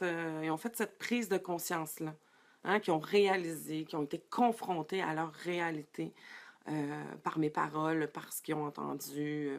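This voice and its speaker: A middle-aged woman, giving a live-streamed coaching talk in a chatty way, greeting viewers by name and using many fillers. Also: deep voice. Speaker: life coach.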